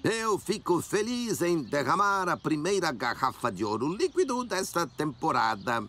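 A man's voice: fairly high pitch, very animated, measured pace, pushed and bright, full character voice. A man voicing a cheerful middle-aged small-town mayor in a dubbed cartoon, ceremonious like a public speaker. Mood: proud, ceremonious. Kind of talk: animated cartoon dub.

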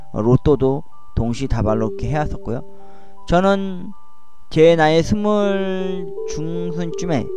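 A man in his forties with a slight lisp and slurred diction, speaking slowly and haltingly into a cheap microphone, with many fillers and pauses. His voice sits a little high. Background music plays clearly under him the whole time. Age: 40s. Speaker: YouTuber. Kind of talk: personal monologue over music. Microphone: cheap microphone at home computer. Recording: music playing behind voice.

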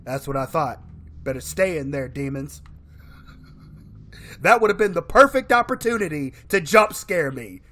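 A man in his thirties giving casual, expressive commentary as he plays and reads aloud from a video game. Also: fairly high pitch, normal speed, pauses often. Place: indoor room, solo gaming setup.

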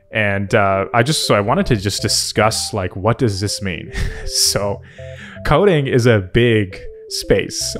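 Man, lowish voice, casual tech commentary, hesitant, thinking aloud, faint music behind. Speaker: tech video host and software developer. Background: background music.

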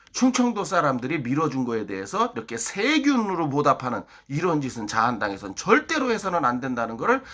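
A man from Chungcheong, South Korea, rants a political monologue to his viewers. His pitch swings up and down as he hectors and fires off one rhetorical question after another. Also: sharp tone. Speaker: political YouTuber.

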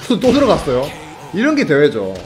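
A young man giving live fighting game commentary, chatty and excitable, joking with viewers between quick reactions to the action. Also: a little high, music in the background. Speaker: esports commentator.

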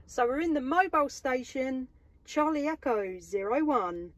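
A woman's voice: sits high, animated, moderate pace, slight background noise. An enthusiastic woman with a southern English accent, chatting on CB radio from inside a vehicle. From England. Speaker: mobile CB radio operator. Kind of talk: casual radio contact chat. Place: inside a parked or moving vehicle.

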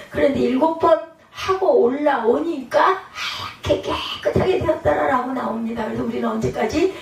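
A woman pastor preaching a sermon in a lively, dramatic way, often acting out the voices she quotes. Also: fairly high pitch. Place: church sanctuary. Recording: echoey church hall, mic at a distance.

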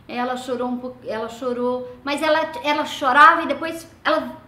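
An older woman with a Brazilian accent, chatting through family memories. Her voice is piercingly bright and a bit high, and it sinks into soft asides. It is recorded in an echoey room with faint ambience behind her. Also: brisk. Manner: chatty, often trails off into soft low asides. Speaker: vlogger. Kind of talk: casual family storytelling.

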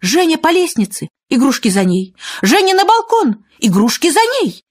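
A woman narrating a children's fairy tale in an expressive, dramatic storytelling manner. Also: high-pitched, normal speed. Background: music.

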